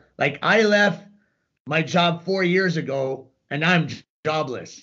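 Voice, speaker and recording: A man talks at a high pitch. His pitch variation is ordinary. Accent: Canadian. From Canada. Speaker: jiu-jitsu academy owner. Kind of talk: casual chat. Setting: video call.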